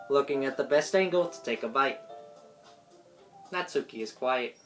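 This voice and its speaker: A woman narrating a visual novel, reading the story text aloud in a halting way with some stumbles. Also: extremely low pitch, a bit bright. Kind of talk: live dramatic reading of game text. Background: game music.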